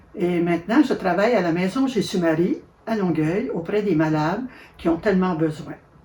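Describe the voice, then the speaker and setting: Over noticeable background noise, a woman talks at a moderate pace, her medium pitch showing ordinary variation. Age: 80s+. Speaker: nun, retired teacher. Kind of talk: interview testimony on faith.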